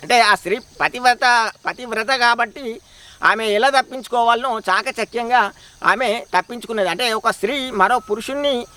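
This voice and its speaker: A man's voice: very high voice, normal speed, sharp tone, far from the mic. A man with a Telangana accent narrating a folk proverb tale in a folksy, repetitive telling. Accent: Telangana Telugu. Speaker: folk storyteller.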